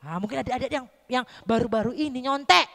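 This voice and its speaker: A woman with a North Sumatran Indonesian accent teaching a children's Christmas Sunday school lesson, lively and quizzing the kids with questions. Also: high voice, fast, vocal fry. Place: church hall. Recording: echoey hall.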